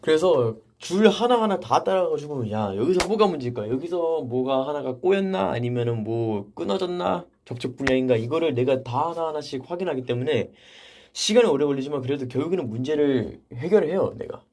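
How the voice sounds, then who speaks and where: A young man hosting a casual livestream from a vocal practice room, reading viewer comments aloud and answering them in a relaxed, chatty way. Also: on the high side, a little fast, slight background noise. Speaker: idol livestream host.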